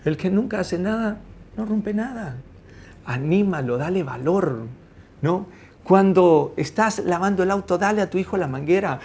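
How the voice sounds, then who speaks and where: Argentine pastor, fairly high voice. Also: male voice, darkish tone. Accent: Argentine Spanish. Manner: acts out quoted family dialogue in raised voices. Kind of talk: sermon teaching on family.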